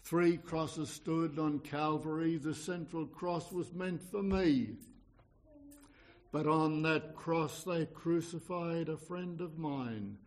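A man's voice: on the high side, slow pace, a little mellow. A man preaching an evangelical sermon in an earnest, exhorting manner, often repeating phrases and posing questions.

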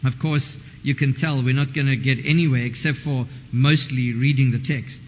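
A man's voice: mid-range voice, fairly even intonation, moderate pace, slight background noise. A man preaching a sermon in a conversational, informal way, often breaking off and restarting his sentences. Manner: conversational, self-interrupting and informal. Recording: dull lo-fi sound with long hall reverb.

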